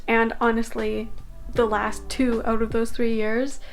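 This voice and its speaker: A young woman from Canada chats to her vlog camera with a slightly high voice. She rambles easily, dropping fillers and small laughs. Soft music plays underneath. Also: little pitch movement, a little slow. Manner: chatty, filler-heavy, laughs often. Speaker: vlogger. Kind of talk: casual vlog talk to camera.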